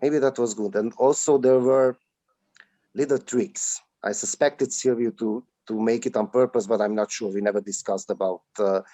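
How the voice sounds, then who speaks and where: A man, a native Hungarian speaker and actor, answering slowly in a webinar interview over a video call, with many drawn-out fillers. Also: mid-range voice, steady tone, mellow, dry recording. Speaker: film actor, guest.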